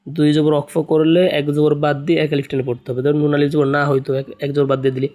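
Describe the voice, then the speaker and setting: Male Quran tutor, slow drilled letter chants, narrow melody. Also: a little high, little pitch movement, a little mellow. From Bangladesh. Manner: slow sing-song spelling chants, then quick spoken explanations. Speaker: Quran teacher. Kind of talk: spelling out Arabic letters and vowel marks for beginners.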